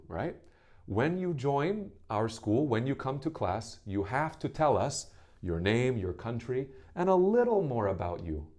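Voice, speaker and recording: This American man in his thirties teaches English and introduces himself to his students on camera in a relaxed, friendly way. His voice sits lowish and a little mellow, and he keeps checking in with "right?"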